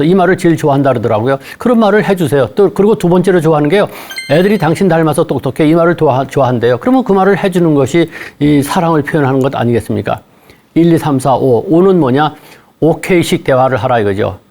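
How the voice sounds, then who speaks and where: A man's voice: on the high side, lively intonation, quick pace, a little mellow. An older man giving a lecture on a talk show, counting off numbered points and acting out quoted lines between couples.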